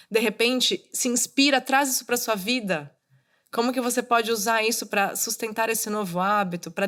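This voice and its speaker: A woman's voice: on the high side, a bit bright. Woman in her thirties coaching listeners. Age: 30s. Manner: conversational and coaching, addresses listeners directly. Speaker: podcast host. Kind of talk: solo podcast monologue, motivational.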